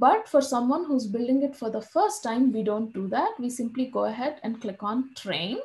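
A woman with a high voice and lively intonation, at a moderate pace with hardly any pauses. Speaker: AI instructor. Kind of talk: teacher training webinar. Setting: video call with screen sharing. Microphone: webcam.

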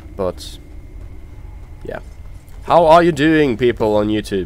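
Lively intonation and a moderate pace come through in a Norwegian accent amid noticeable background noise. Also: man. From Norway. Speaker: gaming YouTuber. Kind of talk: let's play gameplay commentary. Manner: halting.

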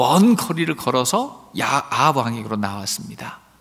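A man speaking at a moderate pace. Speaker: pastor. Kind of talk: sermon. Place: church. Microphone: podium.

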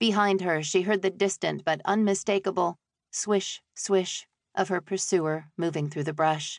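Speaking at a fairly slow pace with medium pitch, a woman is recorded with a dry, close sound and no echo over a quiet background. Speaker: audiobook narrator. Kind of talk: dramatic audiobook narration, suspenseful reading aloud. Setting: studio. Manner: tense, building suspense, hushed and urgent in the chase, with dramatic pauses; animated, breathless, lively pacing that speeds up as the chase turns to terror.

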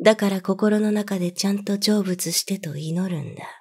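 At a very slow pace, a woman talks in a medium pitch with a dark, mellow, somewhat breathy tone and fairly even intonation, on a very clean recording with a silent background. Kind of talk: ghost story reading.

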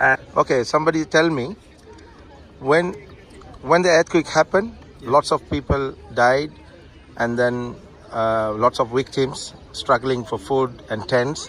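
Speaking at a fairly slow pace, a man uses a medium pitch with ordinary pitch variation and long, frequent pauses. The sound is dry with no echo and light background noise. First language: Tamil. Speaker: YouTube vlogger doing street interviews. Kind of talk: street interviews. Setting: outdoors on the street. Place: street. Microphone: phone near.

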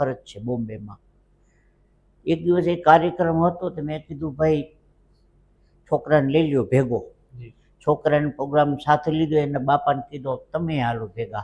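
A somewhat breathy male voice, fairly high in pitch, with ordinary pitch variation. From Saurashtra, Gujarat (Dwarka). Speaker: comedian. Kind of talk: interview. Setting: studio.

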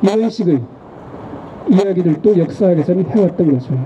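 At a fairly quick pace, a man talks with a high pitch and lively intonation. Light background noise runs underneath. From South Korea. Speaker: high school history teacher. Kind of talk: lecture. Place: street. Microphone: handheld.

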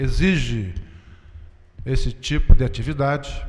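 A man talks with ordinary pitch variation. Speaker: city councillor. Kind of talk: formal reading aloud of official notice. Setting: council chamber, televised. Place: hall. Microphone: podium.

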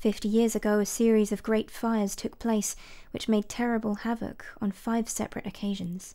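Soft-spoken woman with a British accent, a fairly high pitch and a dark, mellow tone, at a moderate pace against a quiet background. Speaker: audiobook reader and streamer. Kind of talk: audiobook reading. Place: home room. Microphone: studio mic.

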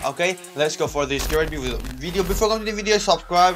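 Clear music plays in the background while a man speaks at a moderate pace with a high pitch and ordinary pitch variation. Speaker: youtuber. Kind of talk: casual vlog chat. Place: home room.

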